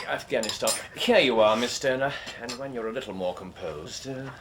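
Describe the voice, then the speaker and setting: An actor playing a courteous, precise Victorian gentleman detective who speaks politely with small hesitations. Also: medium pitch, a little fast, noisy background, natural voice. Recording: clinking cups and dishes behind. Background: cutlery and dishes clinking.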